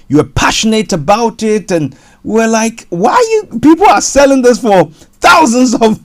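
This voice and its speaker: A man hosting a radio property show, interviewing a guest in a halting way, often repeating words. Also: extremely high pitch, animated. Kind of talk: casual interview.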